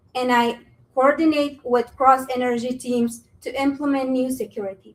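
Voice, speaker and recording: A woman talks at a fairly slow pace with a non-native accent. Her pitch is high. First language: not English. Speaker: tech training program intern. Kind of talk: prepared speech. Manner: halting, with fillers and restarts.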